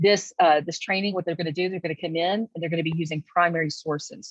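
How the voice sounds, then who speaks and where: Speaking at a very fast pace, a woman has a fairly low pitch, and the sound is dry and close with no echo. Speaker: education consultant presenting to principals. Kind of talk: online presentation to school administrators. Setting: video call from a busy work room. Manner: animated.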